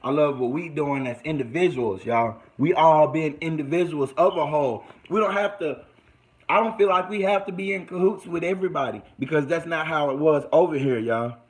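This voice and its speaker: A man's voice: fairly high pitch, a little fast, poor audio. A young man with a mixed Texas and California accent, talking casually to viewers on a livestream, slangy and calling them y'all. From United States. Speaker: livestream host.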